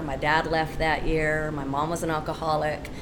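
Noticeable background noise runs behind a speaker with an American accent. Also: woman. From Texas (East Austin). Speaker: coffee shop owner. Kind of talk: testimony. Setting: in a coffee shop.

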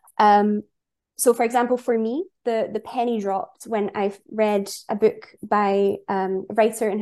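A woman's fairly high voice with a dark, mellow tone and a Scottish accent, at a fairly slow pace with fairly even intonation, over a quiet background. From Scotland. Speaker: conference interpreter and researcher. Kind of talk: casual interview.

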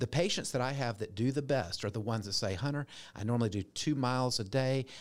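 In a Southern US accent, a man speaks at a fairly quick pace with medium pitch and ordinary pitch variation, on a very clean recording with a silent background. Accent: Southern American. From US South, south Georgia. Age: 50s. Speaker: cardiologist. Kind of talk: interview.

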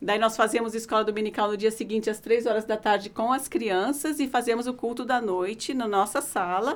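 A woman talks fairly quickly with hardly any pauses. Hers is an ordinary speaking voice, fairly high, with ordinary pitch variation. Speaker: missionary. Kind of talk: casual interview storytelling.

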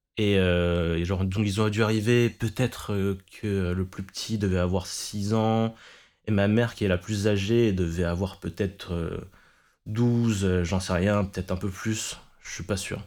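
The recording is very clean, with a silent background. A man speaks at a fairly low pitch in monotone, flat intonation. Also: fairly slow pace. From France. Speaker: software developer. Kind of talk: casual chat. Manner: halting.

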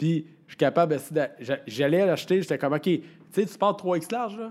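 With a Quebec accent, a man speaks in a high voice. His intonation is lively. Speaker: entrepreneur. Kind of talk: casual chat.

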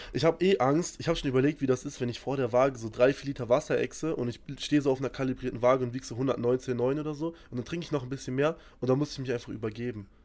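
The man talks very fast, medium in pitch, with fairly even intonation. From northern Germany (Oldenburg). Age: young (19). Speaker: powerlifting coach. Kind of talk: casual chat.

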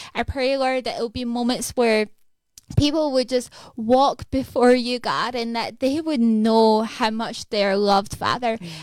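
A woman with a Scottish accent speaks at a moderate pace and a high pitch with ordinary variation, on a very clean recording with a silent background. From Scotland. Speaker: support worker. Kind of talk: casual interview. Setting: studio.

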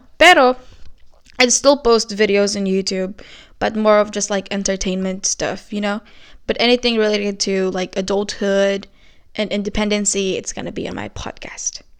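With a Filipino accent, a woman speaks at a moderate pace and medium pitch, her intonation fairly even. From Philippines. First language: Tagalog. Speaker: podcaster. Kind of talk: casual monologue.

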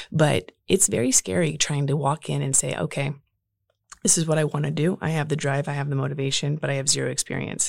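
A woman with a very deep, low pitch speaks with vocal fry. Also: very clean recording, silent background. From Chicago, US Midwest. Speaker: pharmacy student podcast host. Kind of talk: casual chat. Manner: playful, joking.

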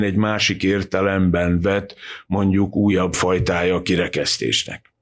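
A man speaks at a fairly slow pace. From Vojvodina, Serbia (Novi Sad). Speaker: painter and writer. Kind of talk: casual interview chat. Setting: studio. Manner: articulate, elaborate phrasing.

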